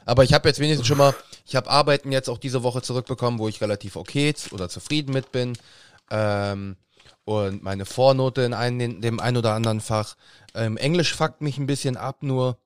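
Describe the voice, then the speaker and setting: A man's voice: medium pitch, normal speed, clear, resonant tone. A young man, a student facing exams, co-hosting a casual podcast and often laughing through his words. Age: young adult. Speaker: podcast co-host. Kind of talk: casual chat.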